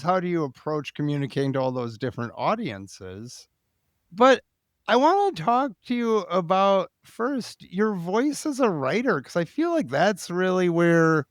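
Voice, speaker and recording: Male podcast host, slightly high pitch, very lively intonation, informal, chatty, thinking aloud. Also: dry recording, clean studio sound. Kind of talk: casual podcast interview hosting.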